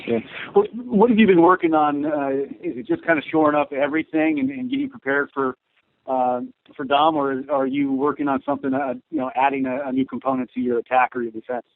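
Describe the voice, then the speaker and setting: A man's voice: fairly high pitch, big pitch swings, fairly quick, gravelly, dry recording. A man working as a sports reporter, asking wordy, hesitant questions on a media conference call. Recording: tinny phone conference line.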